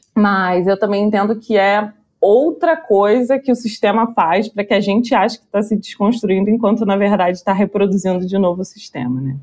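A woman speaks in a plain, everyday voice at a medium pitch and moderate pace. Her pitch varies in an ordinary way, and she hardly pauses. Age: 20s. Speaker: polyamorous guest talking about relationships. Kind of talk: casual chat.

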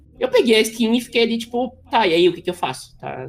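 This woman's intonation is lively. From Rio Grande do Sul, Brazil (Montenegro). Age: 20s. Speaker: podcaster and streamer. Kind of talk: casual interview on a live stream. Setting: live stream. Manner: fast.

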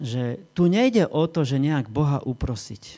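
The man's tone is dark and mellow. Very clean audio leaves the background silent. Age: 60s. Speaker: pastor. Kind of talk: sermon.

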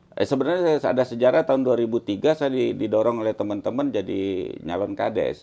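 The voice has a dark, mellow tone and ordinary pitch variation. It runs at a moderate pace with hardly any pauses. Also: man, medium pitch for a man. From South Sumatra, Indonesia. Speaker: regional legislator. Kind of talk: interview.

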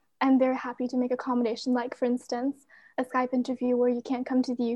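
A woman's high-pitched voice with an American accent. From China, high school in the US. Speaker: law student. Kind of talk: casual chat.

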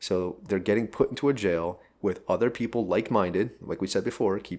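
In a plain, everyday voice with an American accent, the speaker shows ordinary pitch variation on a very clean recording with a silent background. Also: man. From New Jersey, Morris County. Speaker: police officer and martial arts instructor. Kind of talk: casual chat.

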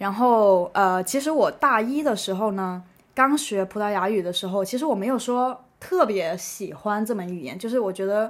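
With a Cantonese accent, the speaker keeps a moderate pace and ordinary pitch variation. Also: woman. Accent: Cantonese-accented Mandarin. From Macau, born in Guangdong. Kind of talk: casual chat interview.

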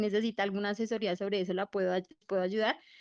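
A woman speaks in a monotone with flat intonation. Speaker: participant asking about immigration. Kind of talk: group voice chat question.

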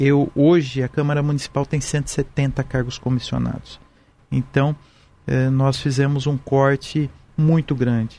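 A man's plain, everyday voice with fairly even intonation. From Brazil, Campinas (São Paulo state). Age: 40s. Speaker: state legislator. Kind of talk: interview.

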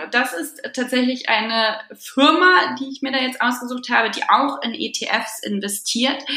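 A woman with a high-pitched voice speaks fairly slowly, and noticeable background noise runs behind her. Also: ordinary pitch variation. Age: 20s. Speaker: fashion industry worker and finance influencer. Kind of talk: interview. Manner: frequent hesitations.

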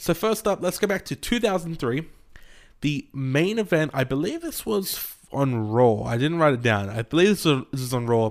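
In a very clean recording with a silent background, a man with an Australian accent speaks at a moderate pace, his fairly high pitch swinging very widely. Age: 20s. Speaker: video game podcaster. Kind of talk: solo podcast monologue. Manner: casual, halting with fillers.

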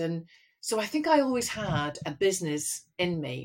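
A woman speaks with a Northern Irish accent. Her pitch swings very widely. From Northern Ireland. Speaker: voiceover artist and former business owner. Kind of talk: casual chat. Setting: video call.

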